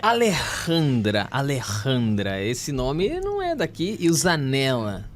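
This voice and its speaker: A man's voice: mid-range voice, wildly swooping pitch, slow, slight background noise. A man hosting a podcast, asking playful, teasing questions in a casual chat. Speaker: podcast host.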